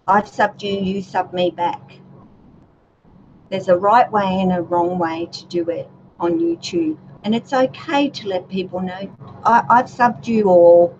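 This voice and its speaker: A woman with a soothing voice, hosting a relaxed livestream chat with her viewers, gentle and chatty with many fillers. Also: medium pitch. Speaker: YouTube channel host. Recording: dull lo-fi livestream audio with faint noise.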